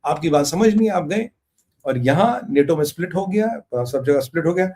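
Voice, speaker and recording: A man's voice: a little high, lively intonation, normal speed, darkish tone, a little hiss or hum. A man hosting a political commentary show, talking in a mocking, theatrical way. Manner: mocking, theatrical, acts out quotes.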